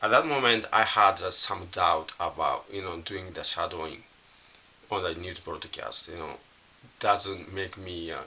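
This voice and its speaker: A middle-aged man from Japan with a Japanese accent, a native Japanese speaker, talking casually and unscripted to camera in a halting, repetitive way full of filler phrases. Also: low voice, bright, forceful tone. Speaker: language learner vlogger. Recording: hissy recording with faint background noise.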